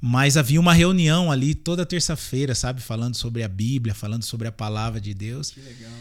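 With a normal speaking voice, a man talks at a fairly quick pace in a medium pitch with ordinary pitch variation. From interior of São Paulo state, Brazil. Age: 40s. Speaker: former professional footballer, coach. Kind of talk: testimony in casual interview.

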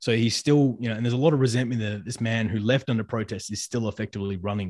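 A man with an Australian accent at a very fast pace, fairly low in pitch, with fairly even intonation, on a very clean recording with a silent background. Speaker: journalist and geopolitical analyst. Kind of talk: analysis discussion in an interview.

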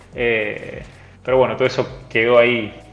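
A man at a medium pitch speaks with music playing in the background. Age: 30s. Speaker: coworking founder and education project creator. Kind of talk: casual interview. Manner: halting, many repeated words.

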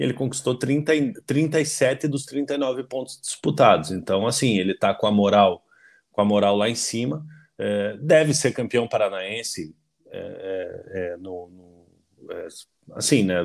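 Speaking at a fairly slow pace, a man with a medium-pitched voice shows vocal fry and big swings in loudness. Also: lively intonation. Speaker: football podcast co-host. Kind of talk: casual chat.

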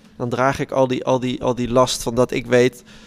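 Moderate pace in a dry, close sound with no echo. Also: man. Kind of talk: casual chat.

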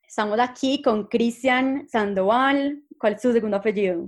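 A woman talks at a moderate pace with ordinary pitch variation. There is noticeable background noise. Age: 20s. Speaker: podcast host. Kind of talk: casual chat.

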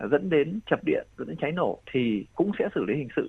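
This is a man's voice. It has vocal fry. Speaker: lawyer. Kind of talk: interview answer.

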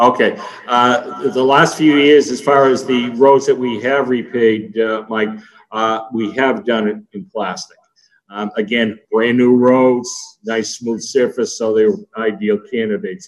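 A man with a plain, everyday voice and an American accent speaks at a fairly slow pace, medium pitch and ordinary pitch variation. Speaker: public works commissioner. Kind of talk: public budget meeting. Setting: video call.

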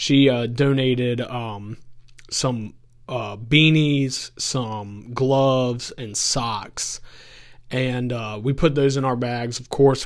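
A man with a Virginia accent speaks at a very slow pace. His medium pitch stays monotone and flat. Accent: Virginia Southern US. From US South, Virginia (Augusta County, Shenandoah Valley). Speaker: podcast host and chaplain. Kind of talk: casual religious podcast monologue. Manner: hesitant with fillers.

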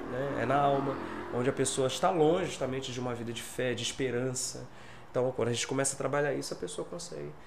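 Over noticeable background noise and audible room echo, a man talks very fast at a medium pitch with ordinary pitch variation. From Brazil, São Gonçalo (Rio de Janeiro). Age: 30s. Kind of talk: casual interview.

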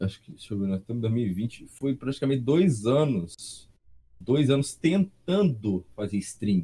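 A man speaks at a very slow pace in a dark, mellow, somewhat breathy tone, his pitch swinging very widely. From Espírito Santo, Brazil (Vila Velha). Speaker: streamer. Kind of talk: casual chat.

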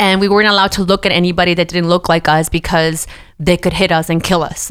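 Over noticeable background noise, a woman with a Spanish accent speaks at medium pitch and a fairly quick pace. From Mexico, Oaxaca. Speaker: restaurant owner. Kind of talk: casual chat.

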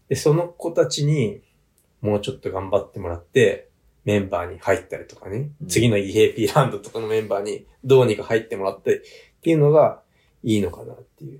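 A man talks at a fairly quick pace with big swings in loudness. The recording is very clean, with a silent background. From Japan, partly raised in Melbourne, Australia. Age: 30s. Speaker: former national cricket player and equipment shop owner. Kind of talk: interview.

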